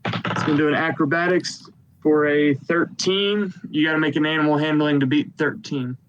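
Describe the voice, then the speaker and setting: A man's voice: a little high, moderate pace, muffled recording. Man narrating a tabletop game as game master. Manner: steady, matter-of-fact narration of turns and dice rolls.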